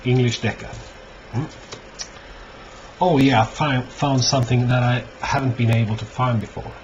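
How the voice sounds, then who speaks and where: A man giving a casual, unscripted show-and-tell as a collector, halting often and thinking aloud. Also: mid-range voice, steady tone. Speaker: record collector presenting finds. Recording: dull lo-fi audio, clear background noise.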